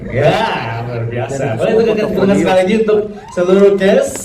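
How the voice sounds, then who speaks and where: A man's voice: high voice, expressive, fairly quick. A man hosting a press conference as emcee, upbeat and prompting the audience. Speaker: event emcee. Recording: echoey hall, far mic, crowd.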